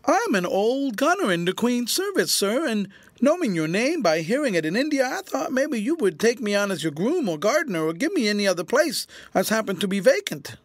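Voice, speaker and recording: A man voicing a rough, blunt old ex-soldier turned beggar who whines and wheedles. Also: sits high, very animated, a little fast, dry recording, voice pushed up. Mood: whining. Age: older. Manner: rough, blunt talk turning to whining begging.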